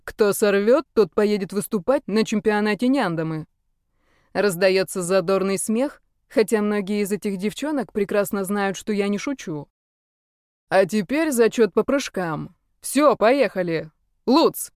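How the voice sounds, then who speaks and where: A woman narrating a first-person audiobook in a measured, even reading. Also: medium pitch, no room sound, clean studio sound.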